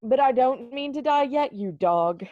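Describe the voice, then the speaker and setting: A woman with a high-pitched, animated voice plays an old male miser who is giddily reformed and penitent, bursting with generous cheer. The amateur dramatic reading is effusive and full of exclamations, delivered at a measured pace with dull audio and no echo.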